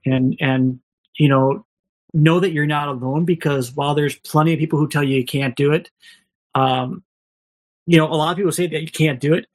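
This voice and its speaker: A man's voice: on the high side, steady tone, normal speed. Candid man telling stories on a podcast. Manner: candid, rambling, many restarts and quoted dialogue. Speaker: podcast guest. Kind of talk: casual storytelling.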